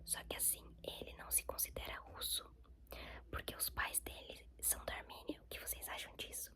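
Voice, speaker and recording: A woman's voice: a little fast, sharp tone. A young woman with a Brazilian accent, whispering a rambling ASMR chat to her viewers with many fillers. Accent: Brazilian Portuguese. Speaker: ASMR creator.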